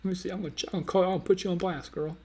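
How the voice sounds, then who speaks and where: A man's voice: high-pitched, fairly even intonation, very fast, warm tone, slightly rough. A man hosting a dating-advice live stream, casually reading viewer comments and teasing them in a playful, slangy way.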